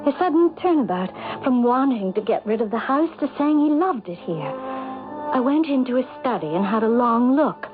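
An American actress playing an anxious, insistent wife in a 1970s radio mystery drama, earnest and emotive. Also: female voice, fairly high pitch, animated, moderate pace, music in the background, natural voice. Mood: worried. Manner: earnest, emotive, pressing with questions. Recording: muffled phone-like radio recording with hiss.

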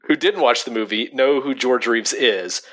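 A man's voice: medium pitch, normal speed, fairly bright tone. A man co-hosting a casual movie podcast, rambling and restarting his sentences and laughing often. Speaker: podcast co-host.

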